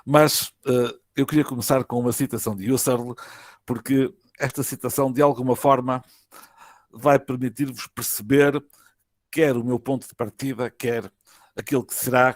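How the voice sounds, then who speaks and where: A man with a European Portuguese accent reads an academic lecture in a formal, measured way, phrase by phrase, with some hesitations. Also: medium pitch, steady tone, no room sound. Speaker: university professor, conference lecturer. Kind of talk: academic lecture read from a prepared text. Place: online web conference.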